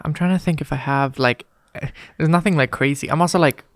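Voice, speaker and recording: Young woman with a gravelly voice. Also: sits low, a little fast, dry recording, clean studio sound. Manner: laughs often, lots of fillers, unbothered. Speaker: podcast co-host. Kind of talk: casual chat.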